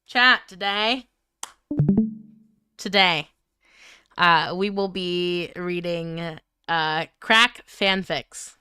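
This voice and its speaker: A woman's voice: fairly low pitch, very slow, pauses often, pushed and bright, clear, resonant tone, no echo, studio quality, soft background music. A woman hosting a livestream, chatting casually in a playful, talkative manner. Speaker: livestream host.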